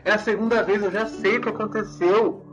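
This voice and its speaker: A man telling a story in casual podcast chat, animated and expressive, repeating words for emphasis. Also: high voice, a little fast, muffled recording.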